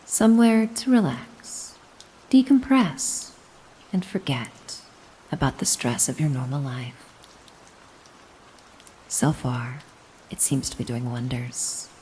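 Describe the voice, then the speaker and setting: Heavily acted, a woman's low, hushed-lullaby voice portrays a mysterious, doting caretaker in a slow, soothing, ASMR-like hypnosis roleplay. Her intonation is lively, with long pauses as she coaxes and reassures in a hypnotic, tender mood. Faint rain and slight background noise linger behind her.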